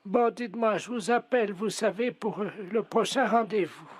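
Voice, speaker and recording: A man's voice: high voice, moderate pace, breathy edge, dry recording. A man playing a meddling, half-deaf old woman on a prank phone call, who pretends to mishear and keeps pestering in a mock-sweet way. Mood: muddled. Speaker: prank caller.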